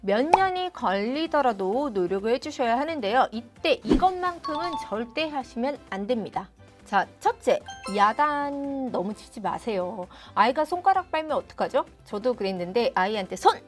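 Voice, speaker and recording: A middle-aged woman hosting a parenting channel, explaining advice to viewers in a friendly, direct way, with soft music underneath. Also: on the high side, expressive, normal speed. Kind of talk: advice talk to camera.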